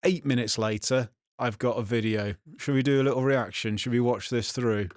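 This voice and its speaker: A vlog host and software developer from England's West Midlands chats casually with a Black Country accent and a slightly nasal voice. He sounds sardonic, grumbling with irritation, at a medium pitch with fairly even intonation and a moderate pace. The studio sound is clean with no room echo.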